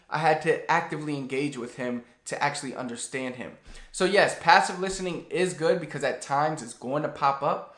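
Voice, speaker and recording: A man in his thirties giving a casual, animated lesson to the camera in a small room. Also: medium pitch, reverberant. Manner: animated, gestures a lot while talking. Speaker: language teacher. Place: small plain room indoors.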